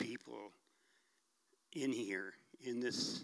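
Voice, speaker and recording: A man speaks at a very slow pace, his bright, sharp tone carrying vocal fry. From Canadian prairies (Saskatchewan). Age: 80s+. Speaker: church member sharing life story. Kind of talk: testimony. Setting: church with congregation.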